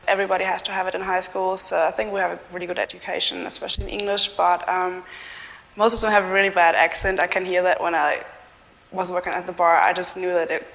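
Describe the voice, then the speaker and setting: A young woman whose first language is German, chatting enthusiastically about her own experiences with quick asides. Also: lowish voice, level tone, gravelly, a bit bright. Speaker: interviewee. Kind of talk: casual personal account. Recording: long hall reverb.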